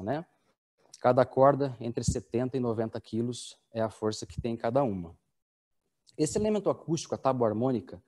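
A Brazilian man in his forties gives a hands-on workshop as a piano technician. His voice is warm and mellow, set at an ordinary middle pitch. He explains step by step and keeps checking in with short tag questions. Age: 40s.

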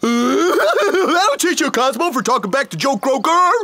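A fat, lazy cartoon toad who bosses and brags. The voice is pitched high and swoops widely, with pompous, slow delivery. Music sits behind it. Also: big pitch swings, very noisy, full character voice. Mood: gloating, boastful. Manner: pompous, demanding. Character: lazy, bossy, boastful fat male toad. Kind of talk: animated cartoon acting.

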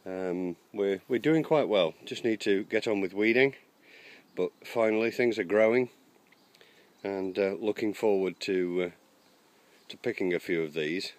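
Fairly low in pitch and a little slow, the allotment vlogger chats his way around the garden with many ums and uhs. It's filmed outdoors on a handheld camera.

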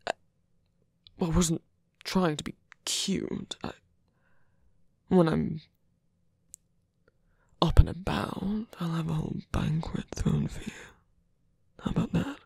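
Wounded male villain for ASMR roleplay, acted by a man: breathy, creaky, halting, tender and flustered. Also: a little high, darkish tone, dry recording, heavily acted. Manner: halting, murmured, formal phrasing.

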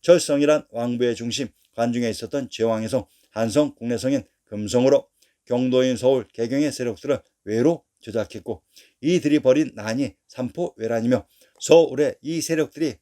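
A male history narrator reads a formal, steady script at normal speed in a medium-pitched voice, listing dates and place names one after another.

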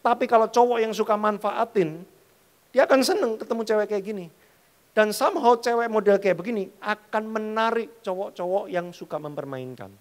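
Animated high-voiced preacher in a reverberant hall. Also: male voice. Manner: slangy, animated, acts out quoted voices. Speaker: youth pastor. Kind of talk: casual youth sermon. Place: large church hall.

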